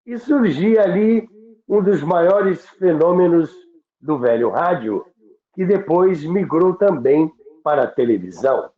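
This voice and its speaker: A Brazilian man hosting a show, telling stories in a deliberate, emphatic, conversational way. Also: a little high, expressive. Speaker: radio history show host. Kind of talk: conversational presenting and storytelling. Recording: echoey, band-limited muffled sound.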